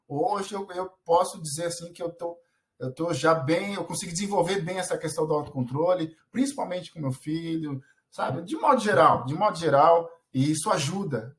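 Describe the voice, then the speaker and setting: A man from Brazil gives parenting advice straight to camera in a casual, earnest way. He often restarts his sentences and fills pauses as he goes. His voice sits fairly high for a man. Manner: earnest, many restarts and filler words. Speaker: parenting vlogger.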